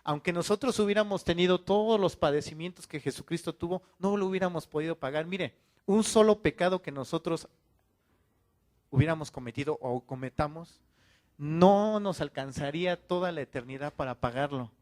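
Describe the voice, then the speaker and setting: Man preaching, fairly high voice, impassioned, rhetorical questions, acts out quoted churchgoers. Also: normal speed, darkish tone. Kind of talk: sermon.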